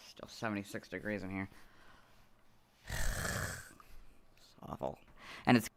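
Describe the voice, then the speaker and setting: A hoarse man who has lost his voice, chatting casually on a livestream while editing, muttering to himself with apologetic asides. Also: lowish voice, a little slow, fairly bright tone, slight background noise. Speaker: video creator streaming his editing. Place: home room, hot.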